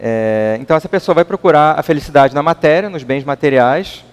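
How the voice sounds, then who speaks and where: A man's voice: on the high side, expressive, fairly quick. A man with a Brazilian accent giving an informal public talk at a spiritist center, speaking conversationally and often tagging his sentences with a questioning "right?". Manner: conversational, keeps adding questioning tags. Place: meeting hall. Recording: long reverb in a hall.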